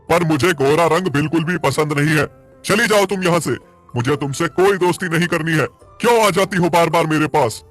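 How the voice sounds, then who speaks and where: A man voicing a jealous, grumpy black bull with a soft heart in a cartoon story, speaking in an emphatic, indignant manner. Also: on the high side, moderate pace, soft background music, voice pushed up, natural voice. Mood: angry, scornful. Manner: indignant, scolding, emphatic questions.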